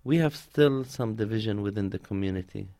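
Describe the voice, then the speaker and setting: Low-voiced man, close dry sound. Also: brisk, warm tone, no room sound. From Palestine. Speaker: interviewee, community organizer. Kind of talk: conversational interview answers, telling personal stories.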